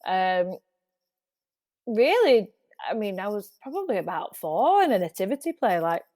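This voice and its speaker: A woman's voice: medium pitch, big pitch swings, normal speed, darkish tone, no room sound, studio quality. A middle-aged woman, a music industry guest, chatting casually in an interview with frequent restarts. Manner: chatty, restarts often, laughs easily.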